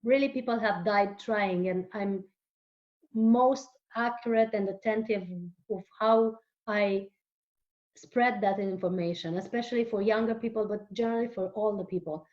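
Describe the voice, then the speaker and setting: A woman whose first language is Romanian, a guest author speaking earnestly in an interview, often pausing and repeating words. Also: mid-range voice, highs cut off. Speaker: guest author and holistic therapist. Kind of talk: casual interview talk.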